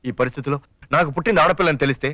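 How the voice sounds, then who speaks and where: A man's voice: a little high, sharp tone, dry recording, studio quality. An actor playing a young father who pleads and jokes as he talks his friend into a scheme, in a comic film. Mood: fast pleading. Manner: fast, pleading and joking.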